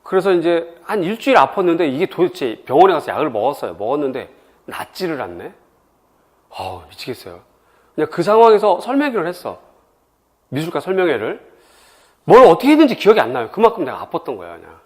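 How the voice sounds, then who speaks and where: In this exam prep info session, a middle-aged speaker from Seoul talks a little fast in a fairly high voice. It's a chatty, lively admissions lecture peppered with his own anecdotes.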